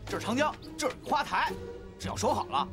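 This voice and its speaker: A fiery young patriot in a period TV drama, earnest and quick to take offence. He talks fast in a very high voice, with music underneath. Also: lively intonation, gravelly, heavily acted. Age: young adult. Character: young hot-headed patriotic lad Changshun. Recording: drama soundtrack with music behind.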